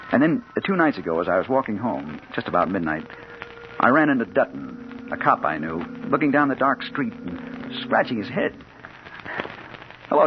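Hard-boiled crime reporter, tense narration, played by a man, animated, old radio. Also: medium pitch, slight background noise, natural voice. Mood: urgent. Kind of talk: 1940s radio acting. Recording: dull old radio broadcast.

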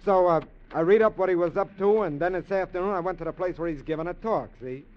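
In a 1950s radio drama, an actor with a natural, fairly high voice plays an eager small-time burglar who talks quickly in pushy street slang. He sounds scheming, and the old recording is dull.

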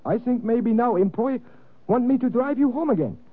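A man's voice: very high-pitched, animated, moderate pace, dry recording. An actor playing a pushy male chauffeur-servant who speaks in clipped, broken English, in a 1940s radio drama. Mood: concerned. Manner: clipped broken phrasing, insistent. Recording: tinny old radio broadcast.

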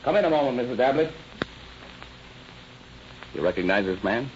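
A man's voice: mid-range voice, expressive, lightly acted. Brief: male actor as a firm interrogating cop, old muffled radio sound with faint noise. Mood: commanding. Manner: firm, commanding, measured. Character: firm male police captain, stern and patient. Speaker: police detective. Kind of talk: 1930s radio drama acting.

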